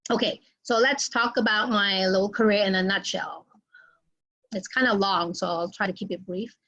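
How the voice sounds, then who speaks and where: A woman's voice: medium pitch, measured pace, fairly bright tone, lo-fi sound. Chatty American woman giving an online lecture. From United States. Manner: chatty, self-deprecating, with small restarts. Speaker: invited speaker, academic. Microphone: video call.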